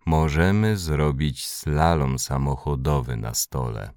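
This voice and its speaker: A man voicing a shy young boy who speaks slowly and carefully. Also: sits low, animated, no echo, clean studio sound. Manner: slow, careful, quiet.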